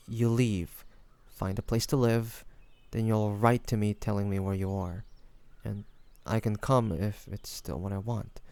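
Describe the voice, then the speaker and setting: A man playing a devoted young man, a tender best friend in an intimate fantasy audio roleplay, speaking gently and haltingly with sighs and pauses. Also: on the low side, creaky, no echo. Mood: quiet, resigned.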